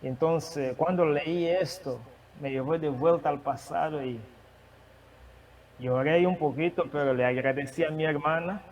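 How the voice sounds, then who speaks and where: A man who is not a native Spanish speaker, preaching and sharing a testimony, with a halting manner and many restarts. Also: a little high, a little mellow, recorded from a distance, muffled recording. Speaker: guest preacher. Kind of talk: sermon testimony.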